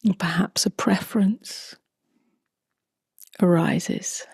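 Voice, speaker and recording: Very slow, breathy woman guiding meditation. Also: lowish voice, no room sound. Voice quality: soft, breathy, half-whispered. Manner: slow, calm, gently spaced phrases. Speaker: meditation teacher. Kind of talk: guided meditation.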